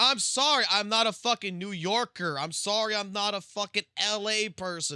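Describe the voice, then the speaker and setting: A man speaks in a high, raised, projected voice with a bright, sharp tone, ordinary pitch variation and a moderate pace. The recording is very clean and dry, with a silent background and a close sound with no echo. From Louisiana, US South. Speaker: gaming streamer. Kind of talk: casual livestream rant. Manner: loud; animated.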